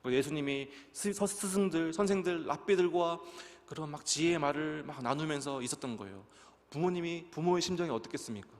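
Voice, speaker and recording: A man's voice: fairly high pitch, a little fast, big-room sound. A man preaching a youth-service sermon, who acts out the quoted dialogue in a raised voice. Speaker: youth pastor. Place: church sanctuary.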